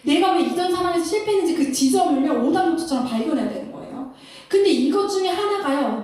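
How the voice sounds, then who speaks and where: Animated high-voiced woman in echoey room. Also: far from the mic. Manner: animated, laughs often, acts out couples' lines. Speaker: Christian counselor. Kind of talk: lecture-style talk.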